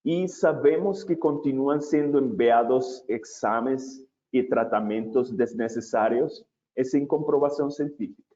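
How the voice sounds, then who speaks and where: A man opening and presenting a webinar in a measured, deliberate way, with occasional restarts. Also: mid-range voice, dark tone, dull audio.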